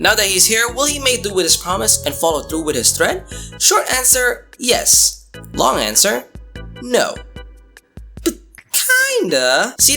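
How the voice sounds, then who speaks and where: A man's voice: on the high side, creaky, pushed and bright. A man delivering comedic scripted commentary as a video reviewer, with an exaggerated, sarcastic, mock-exasperated manner. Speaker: manga review YouTuber.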